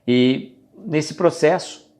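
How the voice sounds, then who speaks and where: A man's voice: on the high side, very slow, darkish tone. A man with a Brazilian Portuguese accent hosting a live stream and giving a casual spiritual reflection in a chatty, conversational way. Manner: conversational, chatty, greets viewers, loses his thread.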